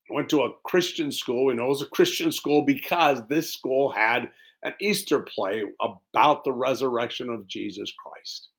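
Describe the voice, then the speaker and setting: A man preaching an Easter sermon, building emphatic lists and dropping to quiet, weighty endings. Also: medium pitch, poor audio.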